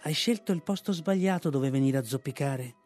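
A man's voice: fairly high pitch, a little fast, a little mellow, soft background music, close to an everyday voice. A man voicing a cruel female cobra who hisses her threats. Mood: menacing. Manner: hissing, menacing.

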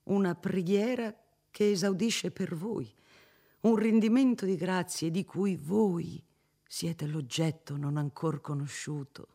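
Male narrator doing an elderly cardinal, compassionate and fervent, slightly high voice; storybook. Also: slow pace, mellow, full character voice. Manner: solemn, fervent preaching tone.

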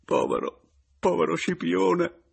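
A man's voice: high-pitched, huge pitch swings, unhurried, creaky, slightly rough, voice pushed up, exaggerated voice. A man voicing a distraught, tearful man who keeps breaking off mid-phrase as he pleads and defends himself. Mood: tearful pleading.

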